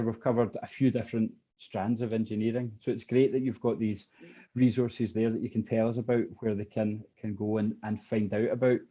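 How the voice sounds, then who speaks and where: A man's voice: medium pitch, mellow, muffled recording. A man hosting an interview, summing up conversationally in an appreciative, informal manner. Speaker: interviewer, host.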